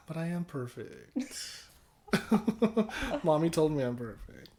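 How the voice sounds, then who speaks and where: A man's voice: on the high side, big pitch swings, slow, darkish tone. Young guy hosting a podcast, chatty and playful, laughs a lot. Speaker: podcast host. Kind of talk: casual chat.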